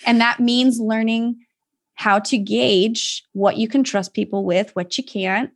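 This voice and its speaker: A woman's voice: on the high side, steady tone, measured pace. A woman hosting a faith-based interview, reflective and encouraging as she draws out her guest. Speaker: podcast host.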